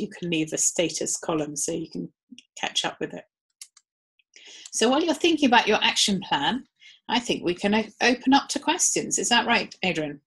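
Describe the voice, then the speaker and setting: A woman's voice: lowish voice, slightly rough. A woman giving a live webinar talk in a conversational way, with frequent ums. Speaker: webinar presenter.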